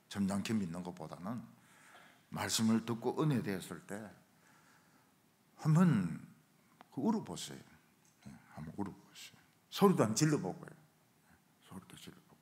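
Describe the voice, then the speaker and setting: A middle-aged man preaching a revival sermon in a church, telling stories and acting out shouted quotes. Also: lowish voice. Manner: animated storytelling, acts out shouted quotes. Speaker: pastor. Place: church sanctuary.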